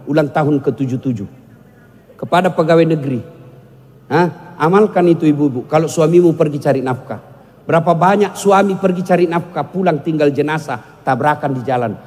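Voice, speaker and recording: High-voiced joking preacher, echoing hall. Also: male voice, darkish tone. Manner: jokes with the audience and breaks into song. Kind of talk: humorous sermon. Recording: long hall reverb.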